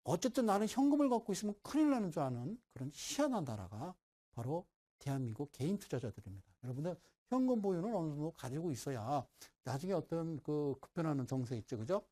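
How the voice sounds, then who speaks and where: A man's voice: on the high side, sing-song, fast talker, mellow. A middle-aged man giving a broadcast stock-investing lecture, who keeps asking listeners "right?" and teases them.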